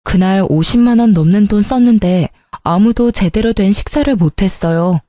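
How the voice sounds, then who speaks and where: A woman's voice: mid-range voice, normal speed, warm tone, no echo, studio quality. A woman narrating a dramatic story and voicing its heroine in a firm, indignant way.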